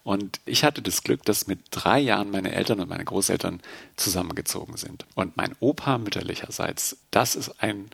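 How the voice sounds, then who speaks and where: A man from Germany working as a sign language interpreter, calmly explaining terms in an interview with thoughtful pauses. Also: low-pitched, gravelly, husky, no room sound. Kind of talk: interview conversation.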